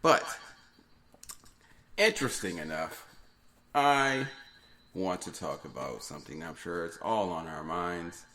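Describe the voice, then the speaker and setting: Man, very low pitch, earnest ranting monologue, hammering points through repetition. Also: animated, takes it slowly, long pauses, bright, forceful tone. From New Orleans. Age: adult, has daughters. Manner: earnest, ranting, repeats phrases for emphasis. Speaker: podcast host. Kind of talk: solo podcast monologue.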